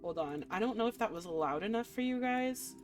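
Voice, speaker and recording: A woman reading a visual novel aloud as a game streamer, mixing expressive narration with casual, playful reactions. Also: mid-range voice, a little fast. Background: faint music.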